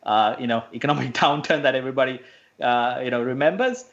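A man's voice: mid-range voice, fast talker, a bit bright. Guy from sri lanka on a radio interview, lots of ums, kinda muffled line. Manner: hesitant, many fillers and restarts. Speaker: guest.

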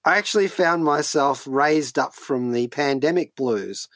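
A man's voice: on the high side, measured pace, a bit bright, dry recording. A man chatting as a radio co-host and reviewer, hesitantly repeating words as he goes. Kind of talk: conversational review chat. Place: radio studio.

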